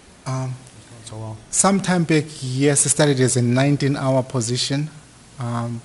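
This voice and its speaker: Delivered in an unremarkable speaking voice, the speech runs at a fairly slow pace with fairly even intonation and big swings in loudness. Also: man. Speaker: town manager. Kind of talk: public meeting report. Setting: town board meeting room. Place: meeting room. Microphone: podium.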